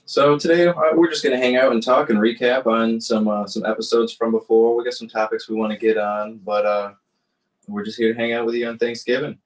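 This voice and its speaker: A man's voice: mid-range voice, level tone, a little fast, far from the mic, rough recording. A man co-hosting a podcast in casual chat, laid-back and slangy with "uh" fillers. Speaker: podcast co-host.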